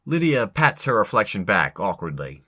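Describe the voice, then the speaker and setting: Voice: low voice, very animated, moderate pace, pushed and bright. A narrator reading scripted story narration for an audio drama.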